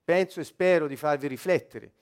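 A man preaching a sermon, rising loud when he quotes scripture and dropping low to explain. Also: normal speed, clear, resonant tone.

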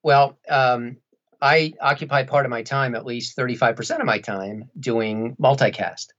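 A man explaining his narration and production work in an interview, in measured, halting, wordy phrases. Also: medium pitch, steady tone, a bit bright, highs cut off. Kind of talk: reflective interview conversation.

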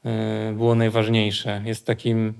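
A man's voice: lowish voice, completely flat delivery, slow, vocal fry, a little mellow, clean tone. A man conducting a respectful conversational interview, hesitantly searching for his words as he asks questions.

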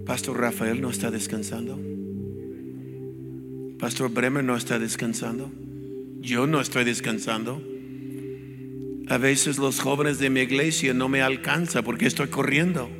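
A man's voice: medium pitch, steady tone, measured pace, gravelly, long pauses. An older man preaching a sermon as pastor, emphatic and repetitive, in a large church hall. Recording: long hall reverb with faint music.

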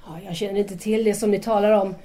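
A woman's voice: medium pitch, steady tone, warm tone, natural voice. An actress playing a shy, naive, conventionally raised young woman, hesitant and politely earnest in an audio drama. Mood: curious, unsure.

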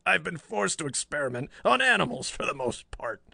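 Guy doing a crazy old villain professor, sly n snarly, pulp story, raised pitch, forceful. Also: big pitch swings, brisk, gravelly, no room sound, heavily acted. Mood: sullen, boastful. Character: crazed, sullen old male professor, villainous mad scientist. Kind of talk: dramatized pulp story reading.

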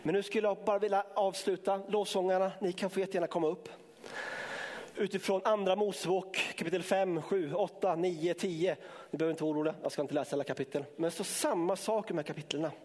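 A man preaching a sermon to his congregation, impassioned, building up to shouting and then dropping low. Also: fairly even intonation, in a large hall. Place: church sanctuary.

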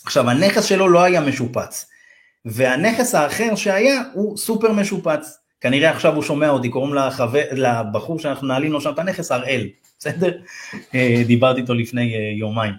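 A man from Israel's Ethiopian community, a real estate advisor, telling a story in a loose, slangy, animated way and acting out the dialogue. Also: mid-range voice. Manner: animated, acts out quoted dialogue in raised voices; loose, slangy, addresses listener as bro. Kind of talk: casual storytelling in a podcast interview.

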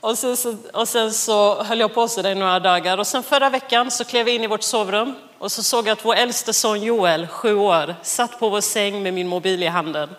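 A woman's voice: medium pitch, few pauses, fairly bright tone. A woman in her thirties gives a guest sermon, opening with a self-mocking family story. She laughs often and acts out both sides of the conversation, keeping it chatty before turning to scripture. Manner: acts out quoted dialogue. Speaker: guest preacher. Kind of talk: sermon with personal anecdote.

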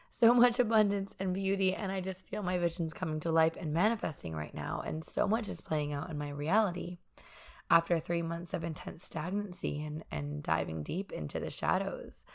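A young woman hosting a solo spiritual wellness podcast, her voice hoarse and raspy while she gets over a sinus infection, talking in an earnest, encouraging way. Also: lowish voice, a little mellow. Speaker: podcast host.

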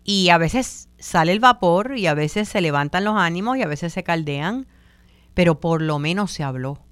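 Puerto Rican woman, low smooth voice. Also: moderate pace, no room sound. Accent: Puerto Rican Spanish. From Puerto Rico. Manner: relaxed, many fillers, acts out quoted voices. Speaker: radio host on communication and wellbeing. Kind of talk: conversational talk on communication styles.

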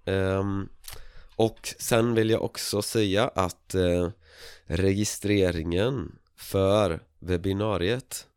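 Low-voiced man, casual chuckling monologue. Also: clean tone, no echo, clean studio sound. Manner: relaxed, chuckling often, with frequent fillers. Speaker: podcast host.

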